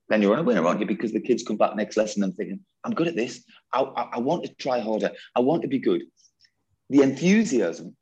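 A man from northeast England with a Geordie accent, a teacher talking animatedly in an interview, jokey and quick to repeat himself. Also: on the low side, creaky, dull audio. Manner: lively, jokey, repeats words.

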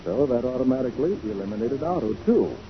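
A man's voice: mid-range voice, expressive, fast talker, lightly acted. An American man playing a shrewd, self-assured private detective in a 1940s radio drama, explaining things with confident showmanship. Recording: muffled, noisy 1940s radio recording.

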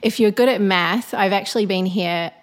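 A woman's voice: mid-range voice, moderate pace. Chatty New Zealand woman, reflective. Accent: New Zealand, with some Australian. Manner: chatty and reflective, laughs often, small restarts. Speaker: guest, architect turned business coach. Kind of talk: casual interview chat. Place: home kitchen.

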